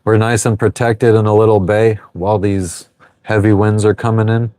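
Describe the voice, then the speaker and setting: A man's voice: on the low side, flat delivery, moderate pace, dark tone, no room sound. A man in his thirties hosting a casual livestream from an anchored sailboat, answering viewer comments offhandedly and swearing freely. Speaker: livestream host. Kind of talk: casual live chat reading viewer comments.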